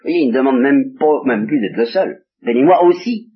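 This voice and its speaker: A man's voice: mid-range voice, a little fast, slightly rough. A man reading a Bible story aloud and stopping to explain it to his listeners, on an old 1960s tape. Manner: reads quoted speech with small voice changes, breaks off to explain. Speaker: Bible teacher. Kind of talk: reading and commenting scripture to listeners. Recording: dull lo-fi 1960s tape recording.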